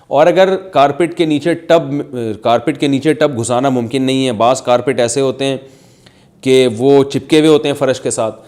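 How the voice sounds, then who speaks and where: A man's voice: mid-range voice, darkish tone. An Islamic scholar, a man, reading viewer questions and answering them with plain step-by-step examples. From Pakistan.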